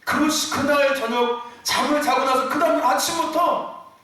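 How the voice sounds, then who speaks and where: A man's voice: very high-pitched, measured pace. A male pastor preaching a Sunday sermon with passion, often raising his voice and laughing as he tells his story. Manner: impassioned, often shouting and laughing mid-phrase. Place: church sanctuary. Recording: echoey church hall from far off.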